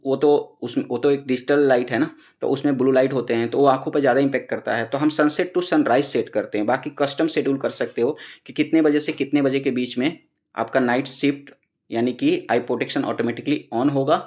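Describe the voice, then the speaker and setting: A man's voice: medium pitch, a little mellow. A young man hosting a casual phone tutorial, explaining each setting step by step with conversational fillers. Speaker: tech tutorial host.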